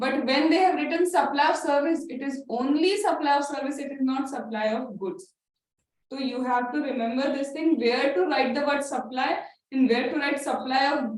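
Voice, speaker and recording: In an Indian accent, a woman with a high voice speaks at a moderate pace with ordinary pitch variation, and the room echo is audible. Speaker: accountancy exam teacher. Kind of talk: live online lecture. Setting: live online class.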